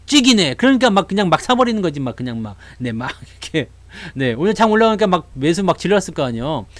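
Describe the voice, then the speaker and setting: A man hosting a casual live stream about the stock market, animated and chatty, talking straight to his viewers. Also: a little high, fast talker, no room sound. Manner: animated, acts out investors' voices.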